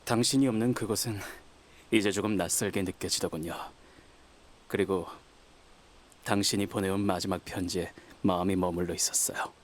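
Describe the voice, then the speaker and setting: A male voice actor playing a gentle, courteous professor in an audio drama, speaking in a polite, measured, consoling way. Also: sits low, steady tone, close to an everyday voice. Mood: tender, consoling.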